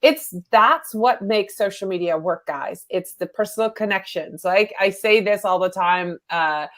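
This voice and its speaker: A woman's voice: medium pitch, a little slow. Upbeat Dutch-accented woman guest. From Netherlands. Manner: upbeat, warm, lively with laughs. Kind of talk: casual talk show conversation.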